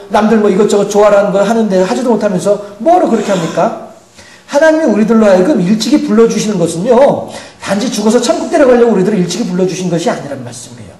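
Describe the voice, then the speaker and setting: High-voiced pastor preaching. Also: male voice. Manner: animated, acts out quoted voices, chuckles often. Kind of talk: sermon. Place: church sanctuary. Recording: echoey church hall, distant mic.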